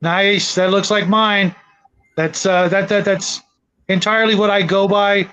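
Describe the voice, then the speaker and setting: A man hosting a casual round-table discussion, moderating with a halting manner that often repeats words. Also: high-pitched, little pitch movement, sharp tone, clean tone. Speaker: host, moderator.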